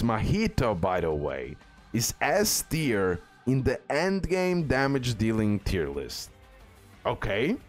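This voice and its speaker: A man giving casual, hyped commentary on a game tier list, in an informal way full of emphatic superlatives. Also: fairly low pitch. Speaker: gaming YouTuber. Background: background music.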